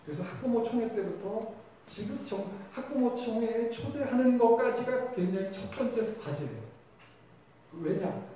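A man's voice: high-pitched, mellow. A male teacher giving a conversational lecture to other teachers and putting questions to a live audience. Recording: echoey hall, distant mic, faint noise.

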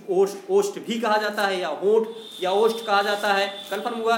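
A man's voice: high-pitched, roomy sound, slight background noise. A male teacher with a North Indian accent gives a classroom lecture at a board, repeating questions to the class and asking whether they have understood. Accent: North Indian, Uttar Pradesh.

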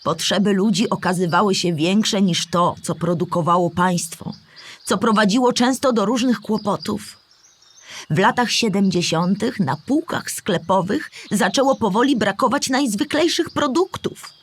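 A woman playing a knowledgeable storyteller character, narrating history in a measured, explanatory way with a husky voice. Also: medium pitch, natural voice. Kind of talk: scripted educational narration.

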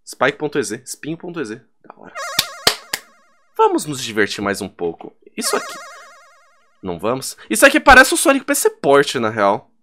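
A young man with a Brazilian Portuguese accent giving excitable, profane let's play commentary, yelling at the game as he plays. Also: medium pitch, moderate pace, music in the background. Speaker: gaming YouTuber.

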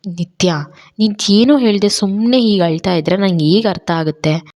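A woman's voice: medium pitch, normal speed, pitched above the performer's own voice, close to an everyday voice. A woman voicing a hot-tempered but caring young man in an audio story. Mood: worried. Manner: sharp when angry, softening into concern.

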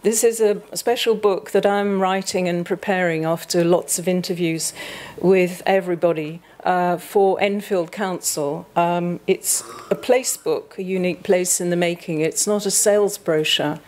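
A woman in her forties giving a measured, academic conference talk at a podium microphone in an auditorium, with frequent ums and self-corrections. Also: fairly low pitch, fairly even intonation, darkish tone. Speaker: conference speaker. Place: auditorium stage.

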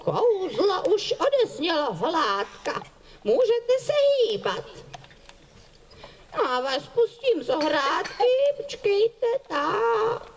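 A woman's voice: very high voice, big pitch swings, crowd noise, heavily acted. A woman voicing a wicked old witch in a puppet-theatre fairy tale, falsely sweet and gloating, with cackles and sing-song scolding. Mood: bossy, gloating.

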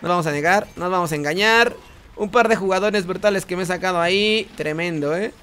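A young man commentating his own game, excitable and prone to shouting and repeating words in bursts. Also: high voice, brisk, a little hiss or hum. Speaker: gaming YouTuber. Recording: music playing underneath.

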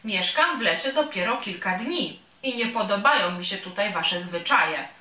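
A woman voicing a small, gentle and lonely young male bear cub who speaks softly and earnestly in a storybook reading. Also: medium pitch, animated, normal speed. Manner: soft, earnest, polite. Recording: roomy sound from a distant mic.

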